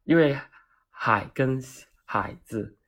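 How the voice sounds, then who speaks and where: A man's voice: medium pitch, takes it slowly, lo-fi sound. Hong Kong man telling funny stories. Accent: Cantonese-accented Mandarin. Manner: animated, self-mocking, acts out dialogue. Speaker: vlogger. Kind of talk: comedic personal storytelling.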